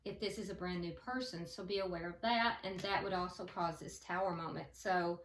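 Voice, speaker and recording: A woman giving a tarot reading like a fortune teller, thinking aloud haltingly and advising the listener directly. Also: fairly low pitch, steady tone, a bit bright, a little hiss or hum. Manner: hesitant, thinking aloud as cards are read. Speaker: tarot reader. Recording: roomy echo, distant from the mic.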